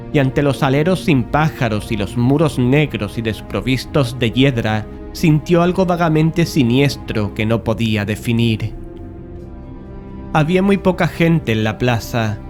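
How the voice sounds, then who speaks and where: A man with a medium-pitched voice reads a literary horror audiobook. His scripted narration runs over soft background music.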